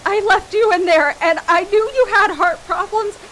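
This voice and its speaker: A woman's voice: very high voice, normal speed. A woman playing a timid, guilt-ridden, frightened young woman in a horror radio play, stammering and pleading. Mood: panicked, guilty. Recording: loud rain-like background noise.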